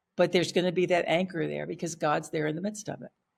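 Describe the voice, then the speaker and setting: With an American accent and vocal fry, a woman at a fairly low pitch keeps a moderate pace on a very clean recording with a silent background. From Virginia, US South. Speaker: pastor. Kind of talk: casual chat.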